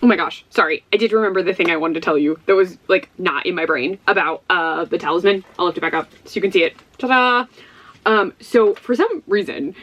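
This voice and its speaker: A woman's voice: fairly low pitch, fairly quick, a bit bright. A young woman from Ohio with a Midwestern accent, chatting casually to camera as a book vlogger, rambling and giggling with lots of fillers. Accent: Midwestern American. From Ohio, USA.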